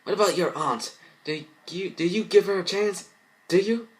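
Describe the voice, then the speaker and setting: A man voicing a kind-hearted young female fashion designer, emotional and halting, in an amateur story reading. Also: sits high, voice pushed up, close to an everyday voice. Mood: furious. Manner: emotional, halting, repeats words.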